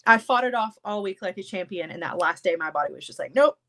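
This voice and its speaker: Talking fast in a mid-range voice that's stuffy and congested, a woman in her thirties runs a jewelry-making livestream from her home craft room. She chats casually and animatedly with her viewers, gesturing as she goes.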